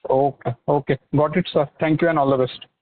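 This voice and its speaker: A man with an Indian accent, a financial analyst asking questions on an earnings call in a halting, repetitive way. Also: a little high, steady tone. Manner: halting, hesitant, repetitive phrasing. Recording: narrow phone-line sound.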